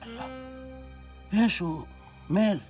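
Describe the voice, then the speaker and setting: A man's voice: sits high, animated, a little slow, darkish tone, faint music behind. An actor playing a swaggering husband who speaks Egyptian Arabic, boastful and teasing toward his wife. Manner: playful, boastful, coaxing.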